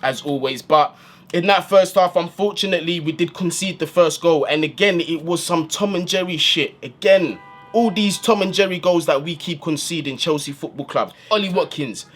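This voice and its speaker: A man's voice: a little high, moderate pace. Slangy man breaking down a match. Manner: casual, slangy, animated fan talk. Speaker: football fan channel host. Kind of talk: post-match analysis monologue. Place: hot indoor room.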